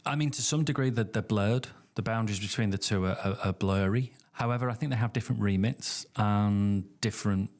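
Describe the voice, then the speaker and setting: A man with a northern English accent, a guest academic speaking thoughtfully in a podcast interview. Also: on the low side. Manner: thoughtful, measured, with restarts.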